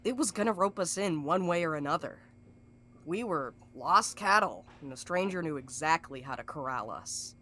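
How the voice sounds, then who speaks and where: An actress in an audio drama playing a cynical, sharp-tongued schemer with a wry, blunt, folksy way of talking. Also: female voice, deep voice, lively intonation, moderate pace, a little hiss or hum.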